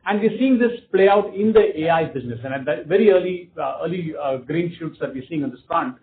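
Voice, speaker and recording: A man talks quickly and emphatically in a fairly high voice. He explains the business to analysts on an earnings call. The sound is a tinny phone line. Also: expressive, slight background noise. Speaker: company executive answering analysts.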